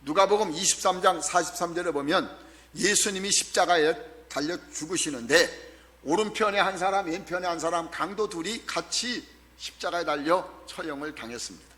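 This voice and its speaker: A middle-aged male pastor preaching a sermon, swinging from hushed, slow stretches to loud emphatic calls to the congregation. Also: a little high, big-room sound. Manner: acts out voices of the thieves on the cross.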